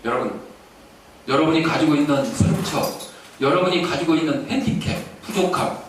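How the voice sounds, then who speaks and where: A pastor preaching a sermon and telling a story with animation, recorded in a church sanctuary. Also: male voice, fairly high pitch, moderate pace. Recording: echoey church, distant mic, faint hiss.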